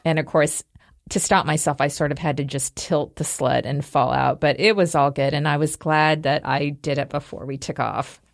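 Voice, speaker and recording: Gravelly low-voiced woman co-host. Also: steady tone, moderate pace. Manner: laughs often, storytelling. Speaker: podcast co-host. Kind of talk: casual chat.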